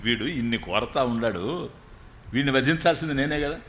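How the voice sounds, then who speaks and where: In a storytelling religious discourse, a male spiritual teacher slowly chants scripture verses and then explains them in everyday language, adding jokes. His mid-range voice is animated and fairly bright. A slight background noise can be heard.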